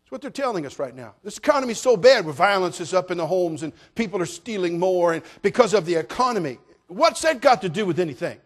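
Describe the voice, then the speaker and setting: High-voiced man preaching, folksy and fiery. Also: very animated, fast, few pauses. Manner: folksy and joking, rising to shouted preaching. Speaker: pastor. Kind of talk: sermon.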